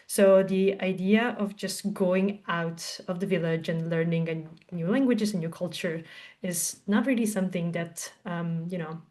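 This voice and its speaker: A woman's voice: lowish voice, unhurried, mellow. A woman in her thirties from southern Italy, speaking English as a second language after Italian. She tells her story as a podcast guest in a casual, chatty way, full of ums and you-knows. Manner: chatty, storytelling with frequent fillers. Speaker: guest, translator and tech co-founder.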